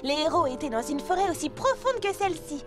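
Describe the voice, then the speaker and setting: A woman's voice: high voice, sing-song, a little fast. A woman voicing a bookish, helpful young girl who loves telling stories in a children's cartoon, over music. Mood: dramatic storytelling. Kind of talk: French children's cartoon dubbing. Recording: background music under the voice.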